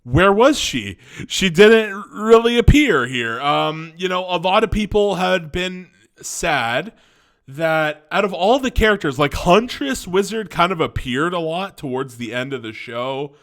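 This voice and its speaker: Young male vlogger, a touch high, stuffy with a cold, loose rambling delivery. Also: lively intonation, measured pace, fairly bright tone. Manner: rambling, many restarts and fillers. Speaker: cartoon review vlogger. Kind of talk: casual spoken review.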